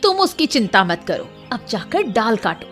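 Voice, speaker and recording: Bossy village wife, high and lively, nags a lot, a woman voicing her. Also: moderate pace, soft background music, heavily acted. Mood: scolding. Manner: nagging, scolding. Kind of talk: cartoon voice acting.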